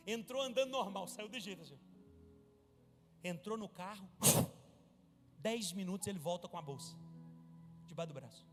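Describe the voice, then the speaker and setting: Male pastor, high voice, storytelling sermon with shouted peaks, hall reverb. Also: moderate pace, long pauses, faint music behind. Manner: storytelling with acted dialogue, bursts into shouting. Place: church service.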